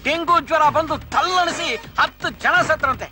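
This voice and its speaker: An actor playing an excitable neighbour who eagerly spreads bad news. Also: male voice, very high voice, faint music behind, full character voice. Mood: excited. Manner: fast, excitable news gossip. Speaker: gossiping neighbour.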